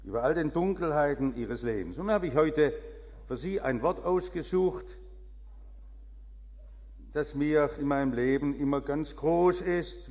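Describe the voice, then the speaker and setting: Slow-preaching man in an echoing church. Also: darkish tone. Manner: slow, emphatic preaching with dramatic pitch swings. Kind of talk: sermon. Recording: long church reverb.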